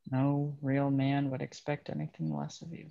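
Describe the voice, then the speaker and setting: A man playing a bitter young railroad worker in a dramatic table read, speaking in a halting, understated way. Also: medium pitch, level tone, vocal fry, mellow, dull audio, natural voice. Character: bitter young railroad man estranged from his ruthless father.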